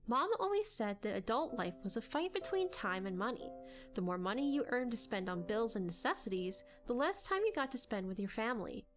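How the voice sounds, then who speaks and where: A woman narrating a story as an expressive dramatic audiobook reading. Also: a little high, a little fast, soft background music.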